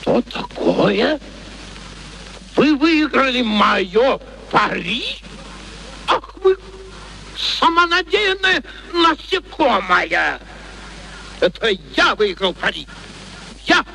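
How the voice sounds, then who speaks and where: An actor playing an arrogant, irascible gentleman, haughty and blustering, in a classic radio play. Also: extremely high pitch, sing-song, drawn-out words, vocal fry, long pauses, a little hiss or hum, heavily acted, rough recording. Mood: irritated, scornful. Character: arrogant, irascible gentleman bully, scornful and imperious.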